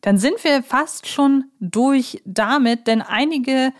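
A woman's voice: sits high, takes it slowly. A woman hosting a fan podcast in a conversational style, phrasing her thoughts carefully and correcting herself as she goes. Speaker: podcast host.

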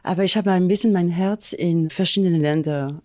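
A middle-aged woman with a French accent talks in a casual interview, often pausing to find her German words. Her voice is mellow and slightly low. The recording is dry and close. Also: no echo. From France. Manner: halting, searching for German words. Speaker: fragrance design manager.

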